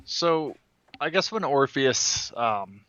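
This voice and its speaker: A man's voice: mid-range voice, animated, takes it slowly, a bit bright, dull audio. A man talking casually as a player in a tabletop game, describing what his character does.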